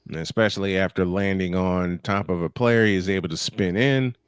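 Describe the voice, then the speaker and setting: A young man calls football action in a measured play-by-play style. His voice sits low and sounds smooth and clean. The sound is dry and close. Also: fairly even intonation, dry recording. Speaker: play-by-play commentator. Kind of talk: live sports commentary.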